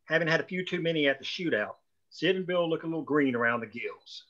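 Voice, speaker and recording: A man's voice: fairly high pitch, animated, fast, a bit bright. Man narrating script directions, dull sound. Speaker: reader of stage directions.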